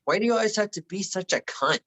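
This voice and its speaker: A man's voice: sits high, animated, quick pace, a bit bright. A man reading the part of a menacing, foul-mouthed teenage school bully in a screenplay table read, blunt and curt. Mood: curt, threatening.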